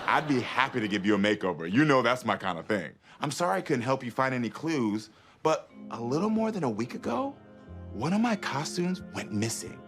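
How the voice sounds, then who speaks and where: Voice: mid-range voice, very animated, a little fast, a bit bright, faint music behind. An actor playing a chatty, obliging cartoon costume designer.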